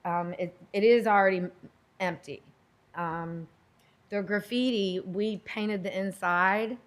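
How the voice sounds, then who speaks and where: A woman's voice: medium pitch, fairly even intonation, takes it slowly. Woman pleading her case at a meeting. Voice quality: loud voice. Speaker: property owner addressing a board. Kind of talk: informal public testimony at a government meeting. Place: indoor public meeting room.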